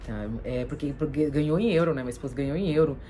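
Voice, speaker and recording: A young Brazilian woman with a low-pitched voice, speaking Brazilian Portuguese in a quick, chatty flow. She keeps checking in with little tag questions as she talks. A faint hiss of background noise sits under her voice. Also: mellow. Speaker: vlog host. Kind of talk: casual chat.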